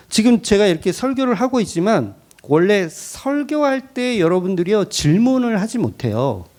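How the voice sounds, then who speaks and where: A middle-aged man preaching a Sunday sermon as pastor, telling family stories with lively acted-out voices. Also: high-pitched. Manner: animated storytelling, acts out his daughters' voices. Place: church sanctuary.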